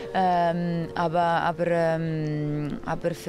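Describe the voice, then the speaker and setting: A woman's fairly low, monotone voice with flat intonation, over music in the background. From Switzerland. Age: 30s. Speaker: TV presenter. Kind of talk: interview answer.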